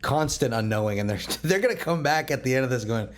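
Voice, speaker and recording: A man's voice: medium pitch, animated, quick pace, slight background noise. A man talking informally and conversationally as he moderates a casual podcast roundtable.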